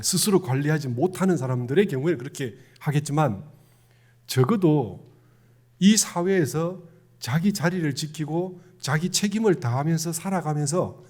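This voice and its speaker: A middle-aged Won Buddhist minister, originally from Gyeongsang province in Korea and carrying its accent, gives a conversational sermon full of questions to the congregation. His voice is a little high with a darkish tone.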